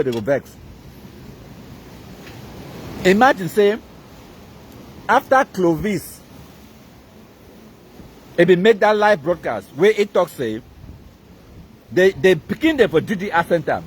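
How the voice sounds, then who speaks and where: A man's voice: high voice, very animated, normal speed, pauses often, a little hiss or hum. A Cameroonian man with a Cameroonian accent, giving an emphatic, repetitive live-stream rant that mixes pidgin and English.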